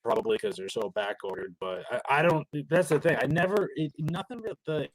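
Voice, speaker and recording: A man from Massachusetts, a guest talking loudly and emphatically over a video call, often restarting his sentences. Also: fairly high pitch, very animated, gravelly, background noise. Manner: loud and emphatic, rapid restarts. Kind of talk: casual gun talk. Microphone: video call, loud personal mic.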